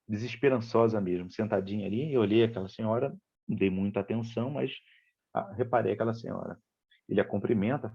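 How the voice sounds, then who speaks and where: A man's voice: lowish voice, breathy edge, dull audio. A man with a Rio de Janeiro accent giving a spiritist lecture, telling a story in a conversational way and acting out the dialogue. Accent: Brazilian Portuguese, Rio de Janeiro. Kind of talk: storytelling talk.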